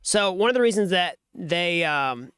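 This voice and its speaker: A man's voice: high voice, animated, unhurried, a bit bright, clear, resonant tone, no room sound, studio quality. An American man hosting his channel, casually explaining on screen while he hunts for links and wanders off on asides. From United States. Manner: chatty, digressive, searching for links on screen as he talks. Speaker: host of a programming channel.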